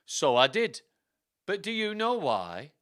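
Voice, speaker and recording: A man's voice: fairly high pitch, big pitch swings, unhurried, sharp tone, full character voice. A man voicing a murderous, scheming male suitor in a storybook, with pleading, overwrought theatrical delivery. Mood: passionate, overwrought. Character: melodramatic scheming murderous male suitor narrating his tale. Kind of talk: theatrical storybook read-aloud.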